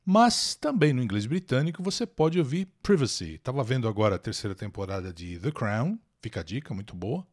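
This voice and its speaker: A Brazilian man hosting a live English lesson, chatting with viewers by name and stretching out words slowly to drill their pronunciation. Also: mid-range voice, very animated. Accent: Brazilian Portuguese. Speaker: English teacher and channel host. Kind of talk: live lesson, reading and translating an article.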